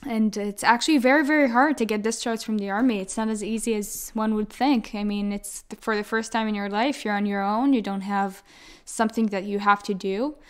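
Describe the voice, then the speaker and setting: A young woman in her twenties with an American accent, talking as a guest in a relaxed interview. Her voice sits at an ordinary middle pitch. She speaks earnestly, often doubling her words for emphasis. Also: brisk, clean tone. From Israel. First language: Hebrew. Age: 20s. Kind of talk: casual interview conversation.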